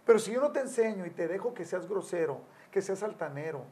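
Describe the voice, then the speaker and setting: A man's voice: high-pitched, lively intonation, brisk, warm tone. A man in his sixties, a family counselor, giving Christian teaching on parenting in a storytelling way. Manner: storytelling, acts out quotes with raised voice.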